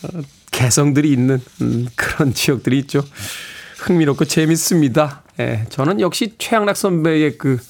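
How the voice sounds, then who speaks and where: A man's voice: on the high side, moderate pace, gravelly. A middle-aged man hosting a radio show, chatting and reading out listener messages and announcements from a studio microphone. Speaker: radio host.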